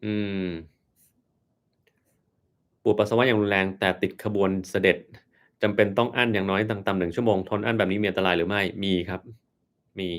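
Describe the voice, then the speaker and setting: A man with a somewhat low voice hosts a casual live stream, answering viewer questions as a doctor. He explains things in a relaxed, conversational way. He pauses often and fills the gaps with small hums and fillers.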